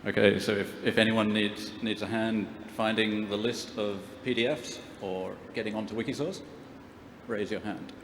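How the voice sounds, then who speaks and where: A man's voice: on the low side, fairly even intonation, moderate pace, fairly bright tone. A man helping at a workshop, giving casual spoken instructions to a room. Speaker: workshop helper. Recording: echoey hall, distant, background noise.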